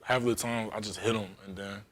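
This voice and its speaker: A young man being interviewed as a college football guest, answering in a relaxed, polite way with plenty of "like" fillers. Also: fairly low pitch, fast talker. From Japan. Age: young adult.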